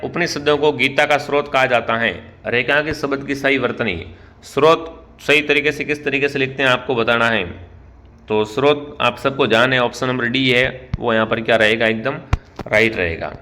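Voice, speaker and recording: Man, Rajasthani Hindi accent, online exam-prep teacher, bright forward voice, asks the viewers questions and answers them himself. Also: mid-range voice. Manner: keeps calling out to the viewers as friends. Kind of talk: quiz-style lesson on Hindi spelling.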